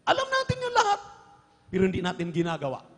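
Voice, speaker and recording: A man preaching a fervent sermon in a large church, sprinkling his words with hallelujahs and swinging between hushed tones and shouts. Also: high voice, wildly swooping pitch, fast. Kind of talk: Pentecostal-style sermon. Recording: long hall reverb from a church live stream.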